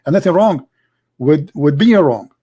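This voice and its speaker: Arab speaking guy debating religion, english, keeps repeating questions, kinda high voice. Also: lively intonation, measured pace, dark tone, slightly rough. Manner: insistent, repeats questions, non-native English phrasing. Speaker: host debating religion with a caller.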